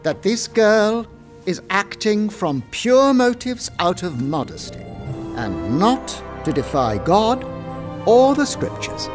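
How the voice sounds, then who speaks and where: An earnest learned cleric pleads a case in an audio drama. His voice is high and lively, formal and persuasive, with faint music behind. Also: slow pace, exaggerated voice. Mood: earnest advocacy. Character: learned churchman earnestly arguing as an advocate.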